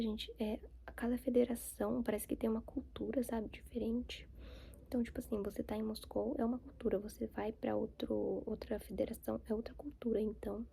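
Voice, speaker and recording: A woman's voice: fairly high pitch, creaky, dark tone, a little hiss or hum. A young woman with a Brazilian accent, whispering a rambling ASMR chat to her viewers with many fillers. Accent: Brazilian Portuguese. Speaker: ASMR creator.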